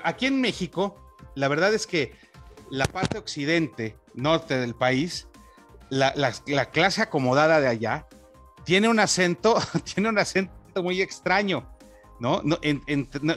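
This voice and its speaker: A man with a Mexican accent co-hosting a casual talk show, rambling through gossip in slang with lots of filler pauses. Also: a little high, lively intonation, fairly bright tone, faint music behind. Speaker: co-host. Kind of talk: casual political gossip chat.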